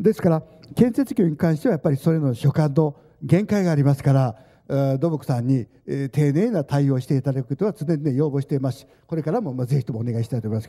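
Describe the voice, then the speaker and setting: A man talks at a very fast pace, fairly high in pitch with ordinary pitch variation and a dark, mellow, somewhat breathy tone. The background is quiet. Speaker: city council member; council committee member. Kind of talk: committee questioning. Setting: council committee room. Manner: hesitant fillers. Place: meeting room. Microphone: handheld.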